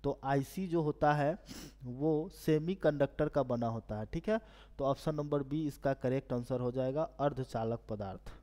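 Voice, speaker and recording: A man's voice: mid-range voice, warm tone. Man teaching in a reverberant room. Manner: explanatory, reads English questions slowly then explains. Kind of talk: exam prep lesson.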